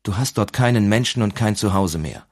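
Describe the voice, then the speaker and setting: A man reading the part of a grave, kindly abbot in an audiobook, speaking in a gentle, measured, solemn way. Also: fairly low pitch, natural voice. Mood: firm.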